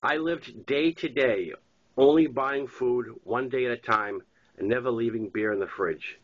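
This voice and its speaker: A man's voice: medium pitch, measured pace. A man with a Boston accent and a stuffy head-cold voice reads his own novel aloud in an informal storytelling way. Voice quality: congested, stuffy nose. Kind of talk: narrated memoir-style audiobook reading. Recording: dull lo-fi recording.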